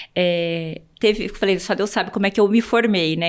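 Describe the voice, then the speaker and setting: A woman talks at a fairly quick pace in a normal speaking voice, with fairly even intonation. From Brazil, Cunha (São Paulo state). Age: 40s. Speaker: consortium sales professional. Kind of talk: casual interview.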